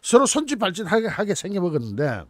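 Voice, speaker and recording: A man's voice: sits high, huge pitch swings, fast, no echo, clean studio sound. A man hosting his own channel, commenting on the news in a mocking, incredulous way. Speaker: political YouTube channel host.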